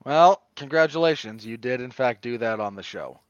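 A man hosting a film podcast, giving casual commentary in a wordy, deliberate, mock-formal manner. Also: mid-range voice, expressive, smooth, dry recording, highs cut off. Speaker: podcast host and film reviewer.

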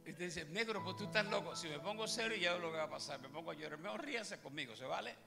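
A man's voice: a little high, animated, quick pace, creaky. A man preaching a comic sermon as pastor, joking and teasing his congregation. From Puerto Rico. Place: large church hall. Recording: live church hall with music. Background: music playing.

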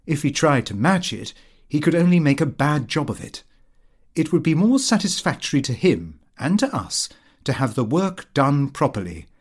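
Male British audiobook narrator for a comic diary: formal, prim diction, highly varied melody. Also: big pitch swings, moderate pace, husky. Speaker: audiobook reader. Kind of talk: scripted narration of a comic fictional diary, read in character as the diarist.

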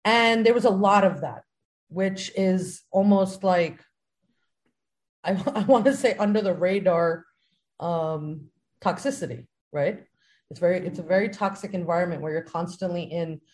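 Podcast co-host: woman, lowish voice, candid and reflective storyteller. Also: a little slow, a little mellow. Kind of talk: casual chat.

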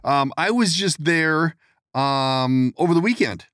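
A man's voice: fairly high pitch, expressive, takes it slowly, fairly bright tone, no room sound. A man hosting a casual podcast interview from his studio, chatty and joking, rambling a bit as he talks. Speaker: podcast host. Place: studio in Minneapolis.

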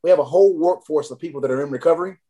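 A man's voice: fairly high pitch, very fast, dark tone. A man working as a recovery advocate, speaking earnestly and encouragingly as a podcast guest. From Tennessee. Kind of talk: casual podcast conversation.

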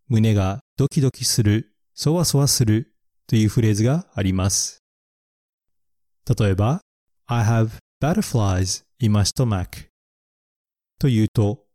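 A man hosting a picture-book English podcast, reviewing vocabulary slowly and carefully and repeating English words and phrases for learners. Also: fairly low pitch, warm tone, no echo, clean studio sound.

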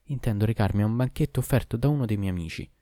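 A man voicing an impatient young man in a hurry, speaking in a hushed, clipped way in a storybook reading. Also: on the low side, rapid-fire, no echo, clean studio sound, close to an everyday voice.

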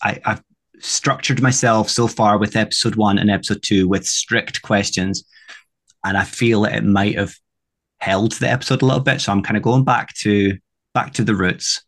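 A man from Scotland with a Scottish accent, hosting a podcast in a casual interview chat. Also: lowish voice. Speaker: podcast host.

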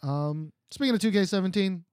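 A man co-hosting a podcast in casual chat, animated and jokey, laughing often. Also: high voice, brisk, smooth, no room sound, clean studio sound. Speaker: podcast co-host. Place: Seoul, South Korea.

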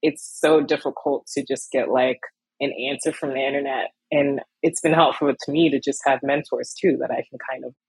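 A young woman from Miami, an illustrator talking casually in an interview, animated with frequent laughs and fillers. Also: rumbling low, brisk, slightly rough, dry recording, low-quality recording. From Miami, USA. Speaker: illustrator guest.

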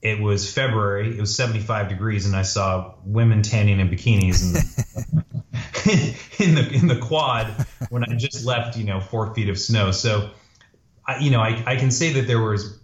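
A man from Canada answers as a podcast guest in a low voice. He talks casually and conversationally. The recording is roomy and a little dull. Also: moderate pace. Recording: roomy, slightly dull audio.

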